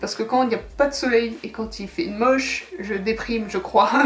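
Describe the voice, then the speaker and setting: At a moderate pace, a woman talks with noticeable background noise present. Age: 20s. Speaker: beauty YouTuber. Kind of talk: casual Q&A vlog. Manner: chatty, rambling with fillers.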